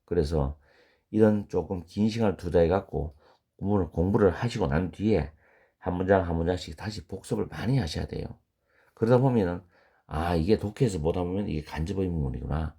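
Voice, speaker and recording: A man teaching English grammar in an online lesson, speaking English words with a Korean accent and patiently repeating them slowly for practice. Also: low-pitched, vocal fry, dark tone, husky.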